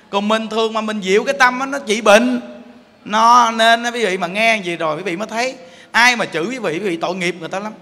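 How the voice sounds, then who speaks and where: A man giving a Buddhist dharma talk, animated and colloquial, joking with his listeners. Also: high-pitched. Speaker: Buddhist monk teacher. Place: temple hall. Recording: long hall reverb.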